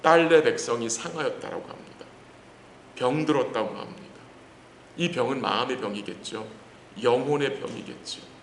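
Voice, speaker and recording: A man preaching a sermon as pastor, posing questions to the congregation and reading scripture slowly. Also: mid-range voice, a bit bright. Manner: asks the congregation rhetorical questions and answers them; reads scripture slowly and deliberately. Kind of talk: sermon at a midweek church service. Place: church sanctuary. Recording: roomy church hall with faint background noise.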